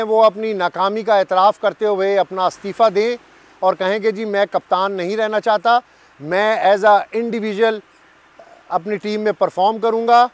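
Fifties male cricket journalist, Pakistani Urdu accent, high-pitched, emphatic and repetitive, speaking to camera. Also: dry recording. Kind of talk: direct-to-camera commentary. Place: sunny garden outdoors.

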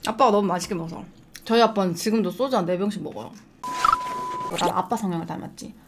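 A young adult woman hosts an eating show, chatting frankly and telling stories between bites in a casual way. Her medium-pitched voice moves fast, with a slight hiss or hum and faint music playing behind her.

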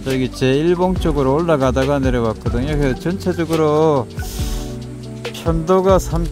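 A man casually narrating a mountain hike as he walks, pointing out the trail and the sights in an unhurried way, recorded outdoors on a handheld camera. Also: on the high side, music in the background. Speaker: hiking vlogger.

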